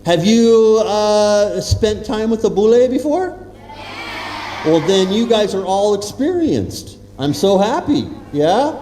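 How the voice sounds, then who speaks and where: An American man from California, speaking as a guest, gives an interactive motivational talk to students in a large, echoey school hall with long reverb. His voice is high-pitched, expressive, slow and dark in tone, and he's playful, often checking in with questions.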